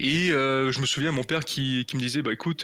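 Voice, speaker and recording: Here a man talks at medium pitch with a bright, sharp tone. His pace is moderate and his pitch varies in an ordinary way. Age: 30s. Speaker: airline cargo pilot. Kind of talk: interview on live show. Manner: hesitant, many fillers.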